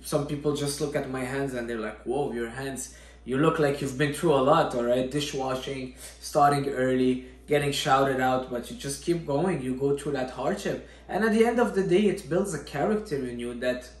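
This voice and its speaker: A man's voice: mid-range voice, normal speed. A young man from Syria, a natural bodybuilder, giving an earnest motivational talk to camera and checking in with "all right?" again and again. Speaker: fitness vlogger, natural bodybuilder. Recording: echoey room.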